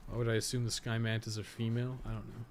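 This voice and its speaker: A man's voice: medium pitch, little pitch movement, quick pace. Man rambling through gameplay, noisy recording. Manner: rambling, muttering to himself as he plays. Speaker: host of a game guide livestream. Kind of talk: casual video game livestream commentary, thinking aloud.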